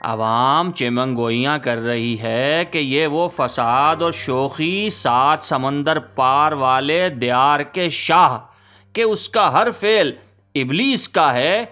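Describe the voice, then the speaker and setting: A man's voice: a little high, bright, forceful tone, smooth, soft background music. A man playing a witty, lamenting nineteenth-century poet reading his letter aloud in archaic, courtly, theatrical phrasing. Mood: wry, indignant. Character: Mirza Ghalib, witty lamenting 19th-century Urdu poet writing a letter.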